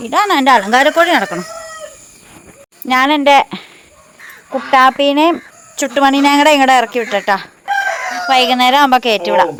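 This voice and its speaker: A middle-aged woman with a central Kerala Malayalam accent chats her way along a rural path in a casual vlog. Her voice sits high. She calls out fondly to chickens and other animals, with faint farmyard sounds behind her on a phone mic outdoors. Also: lively intonation, normal speed, long pauses, fairly bright tone, slight background noise. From Thodupuzha, Kerala. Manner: chatty, coos and calls out to animals. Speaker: vlogger.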